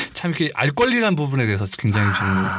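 A man speaks in a somewhat breathy voice. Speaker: entertainment news reporter. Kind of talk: casual chat.

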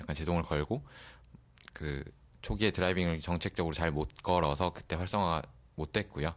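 A man speaks at a moderate pace with a very deep, low pitch and fairly even intonation, on a very clean recording with a silent background. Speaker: startup founder. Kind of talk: interview.

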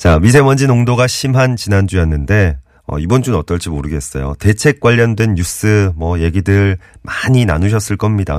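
Fairly low in pitch, a man speaks at a moderate pace with very wide pitch swings. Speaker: radio host. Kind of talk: radio broadcast. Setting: studio.

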